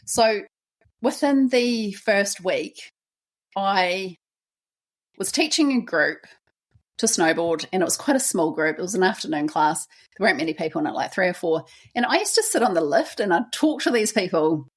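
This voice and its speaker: A woman's voice: medium pitch, lively intonation, moderate pace, husky. A young woman from New Zealand with a New Zealand accent, hosting a podcast and telling her own story in a chatty way, often adding "like" and "right?". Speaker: podcast host.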